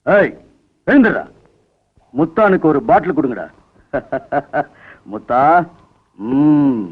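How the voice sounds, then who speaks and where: A man's voice: a little high, very animated, slow pace, phone-quality sound, exaggerated voice. An actor playing a bossy village liquor boss who barks orders at his workers. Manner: gruff barking orders. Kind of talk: 1990s Tamil film acting.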